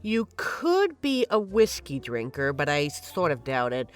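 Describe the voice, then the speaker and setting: A woman's voice: sits low, huge pitch swings, measured pace, soft background music, heavily acted. A woman playing a flirty, teasing but caring bartender in an intimate, conversational audio roleplay. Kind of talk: intimate scripted roleplay, ASMR-like.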